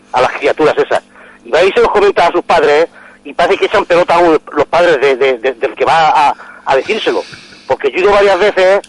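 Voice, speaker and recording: A man's voice: a little high, no echo. A man in his fifties calling in to a radio show over a phone line, insistent and cutting in with repeated denials. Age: 50s. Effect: heard over a phone line. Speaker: radio caller. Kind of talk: call-in complaint.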